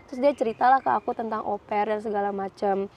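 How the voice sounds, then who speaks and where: A woman's voice: mid-range voice, fairly even intonation, fast talker, a little mellow. A woman from Jakarta in her thirties, chatting casually as a podcast guest, with frequent fillers and restarts. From Jakarta, Indonesia. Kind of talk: casual interview chat. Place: outdoors. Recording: dull lo-fi sound.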